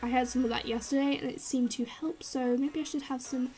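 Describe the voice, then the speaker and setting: A woman's voice: high-pitched, steady tone, fairly quick, dark tone, faint music behind. Nasal, stuffy-nosed young woman rambling. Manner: chatty and rambling, many fillers and restarts. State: blocked nose, nasal. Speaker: game building channel host. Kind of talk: casual voiceover over a speed build.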